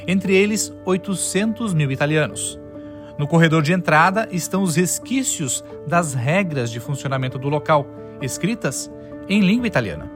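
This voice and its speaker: High-voiced Brazilian news narrator. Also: male voice. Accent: Brazilian Portuguese. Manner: measured, formal storytelling. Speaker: reporter. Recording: voice-over with music bed.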